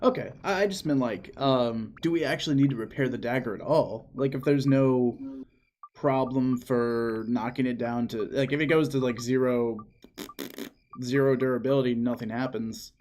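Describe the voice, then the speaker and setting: A young man co-hosting a game playthrough, talking casually and haltingly, filling gaps with "like" and "um.". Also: medium pitch, darkish tone, a little hiss or hum. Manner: halting, hedging, lots of "like" and "dude". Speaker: co-host. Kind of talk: casual gameplay chat. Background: faint game music.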